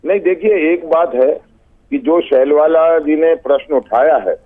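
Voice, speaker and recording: A man's voice: on the high side, measured pace. A man with an Indian accent arguing formally and emphatically as a party spokesperson in a TV debate over a remote call. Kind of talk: TV debate argument. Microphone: remote call link. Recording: tinny narrowband phone-like line.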